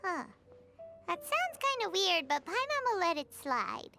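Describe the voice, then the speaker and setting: Brief: a tiny cheeky companion, very high and bouncy, lively swings, loud game music behind. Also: female voice, measured pace, gravelly, full character voice. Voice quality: high and squeaky. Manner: speaks of herself by name. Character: tiny floating female companion, childlike and cheeky.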